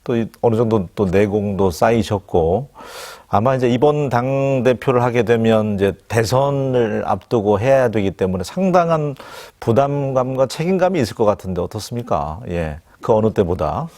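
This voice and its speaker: A man's voice: medium pitch, expressive, normal speed, darkish tone. A man hosting a broadcast interview, asking conversational questions and often chiming in with short acknowledgements.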